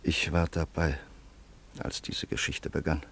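An actor playing a grave, reflective family friend who narrates in a solemn, measured way in a radio drama. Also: male voice, a bass voice, level tone, gravelly, a bit bright, husky, heavily acted. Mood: solemn, elegiac.

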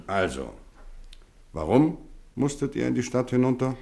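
Stern, animated schoolmaster. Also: male voice, mid-range voice, vocal fry. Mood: stern, dry. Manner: formal, measured, dryly sarcastic. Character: stern, fair-minded boarding school housemaster questioning boys. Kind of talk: German radio play acting.

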